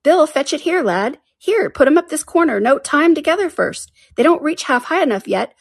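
Bossy little storybook animal workers, all acted by a woman, pitched very high. They bustle and hand out brisk orders in a very dry recording. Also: animated, dry recording. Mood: bustling, bossy. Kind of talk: storybook character voice.

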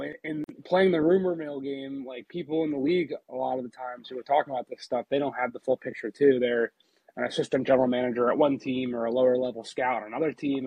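Man, podcast host, husky voice, chatty with restarts, dry close sound. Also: mid-range voice, a little mellow, no room sound, rough recording. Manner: chatty, many restarts, eating a sandwich while talking. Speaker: podcast host and NBA reporter. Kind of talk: casual sports podcast talk.

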